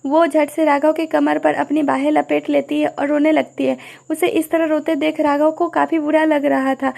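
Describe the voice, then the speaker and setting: A woman narrating a romantic audio story in an even storytelling way. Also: sits high, normal speed, gravelly.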